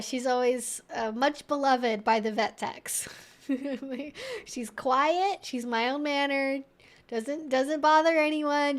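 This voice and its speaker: High-voiced woman chatting on a livestream. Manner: conversational and animated, often voicing imagined thoughts as quotes. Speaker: host of a weekly live Q&A stream. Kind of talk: casual educational chat, answering viewers.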